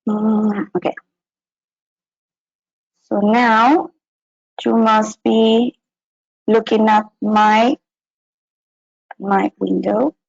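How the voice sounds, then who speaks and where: A woman's voice: a little high, steady tone, very slow, gravelly, pauses often. A young woman from Mexico presenting a live online teaching webinar from a small room, hesitant with many fillers and restarts. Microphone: webcam and computer mic. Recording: dull lo-fi webinar audio.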